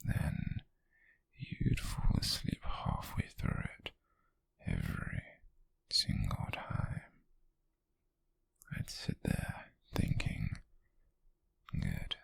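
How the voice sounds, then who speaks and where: Playing an obsessive male stalker in an ASMR roleplay, a British man keeps his slow, raspy, breathy whisper right at the mic, teasing yet sinister and possessive. His pitch sits extremely low but swings hugely, and the exaggerated delivery conveys tender obsession.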